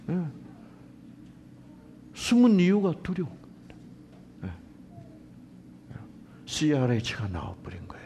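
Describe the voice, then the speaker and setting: A man's voice: fairly high pitch, a little hiss or hum. A middle-aged male pastor preaching a sermon, explaining ideas and asking the congregation questions. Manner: animated, asks the congregation rhetorical questions.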